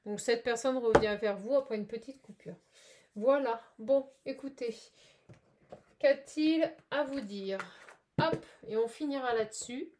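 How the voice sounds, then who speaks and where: A woman's voice: fairly high pitch, a little slow, darkish tone, a little hiss or hum. A woman giving a spiritual card reading in a casual, chatty way, with frequent hesitations and restarts. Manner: hesitant, many fillers and restarts; chatty and encouraging.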